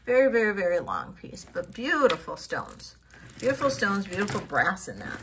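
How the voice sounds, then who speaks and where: A middle-aged woman casually showing off vintage jewelry finds, thinking aloud and trailing into soft mutters as she tests stones. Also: medium pitch, wildly swooping pitch, moderate pace, noisy background. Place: home office at a table.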